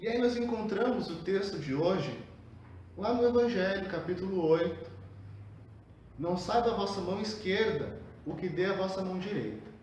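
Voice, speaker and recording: High male voice at a moderate pace with long, frequent pauses, audible room echo and noticeable background noise. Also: ordinary pitch variation. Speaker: spiritist lecturer. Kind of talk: sermon. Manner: soft-spoken; halting.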